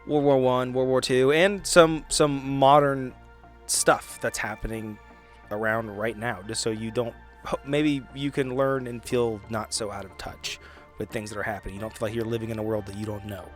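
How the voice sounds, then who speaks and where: A man chatting casually as he narrates his part in a tabletop roleplay, halting as he thinks aloud. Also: medium pitch, fairly even intonation, soft background music. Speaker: podcast player.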